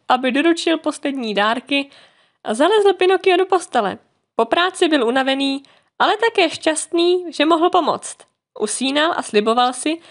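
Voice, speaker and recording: A woman reading a children's fairy tale aloud as an audiobook narrator, lightly voicing the characters. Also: sits high. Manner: expressive, voices the characters lightly. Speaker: storyteller.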